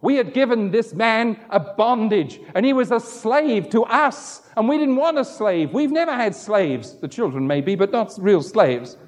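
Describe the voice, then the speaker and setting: High-voiced preacher in an echoing hall. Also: male voice, animated, measured pace, hardly any pauses. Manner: storytelling, acts out quoted voices with wide pitch swings. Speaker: pastor. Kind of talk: sermon.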